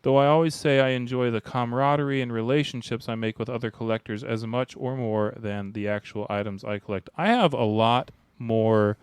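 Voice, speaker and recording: A man's voice: mid-range voice, a little fast, hardly any pauses, clean tone. A man in his forties co-hosting a podcast, joking around as he reads listener comments. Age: 40s. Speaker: podcast co-host. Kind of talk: casual podcast chat.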